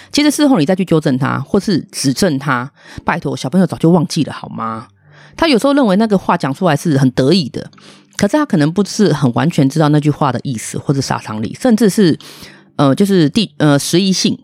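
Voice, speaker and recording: A woman hosts a casual monologue and tells her story with blunt indignation. Her voice swoops up and down, and the words tumble out rapidly. The recording is dry and close. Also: sits low, a little mellow, no echo. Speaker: podcast host, restaurant owner.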